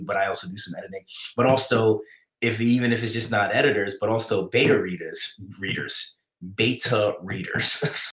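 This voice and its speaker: On his live writing stream, a man with a New York accent responds to chat casually, rambling with many restarts. His voice is on the low side with a fairly bright tone, and the room echoes.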